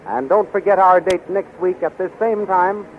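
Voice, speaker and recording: A tinny, narrow old radio recording with a light hiss carries a male announcer from the 1930s. His high voice delivers scripted narration and promotion with dramatic emphasis. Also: normal speed.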